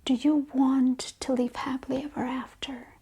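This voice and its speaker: Woman playing sly male devil goat, breathy whisper, soft and mellow, coaxing, tempting, retold horror film. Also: sits high, flat delivery, moderate pace, heavily acted. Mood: seductive, tempting.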